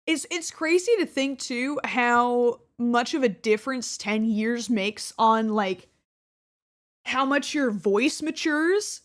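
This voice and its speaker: A woman in her twenties with a high, bright-sitting voice talks casually over her old gameplay footage. She is chatty and keeps restarting her sentences, with quick laughs scattered throughout. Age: 20s. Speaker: YouTuber.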